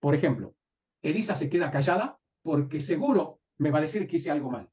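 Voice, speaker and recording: A man teaching a live class, often pausing to ask his students whether they follow. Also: a little high, animated, darkish tone. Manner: asks the class frequent checking questions. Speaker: NLP teacher. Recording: distant, dull lo-fi room recording.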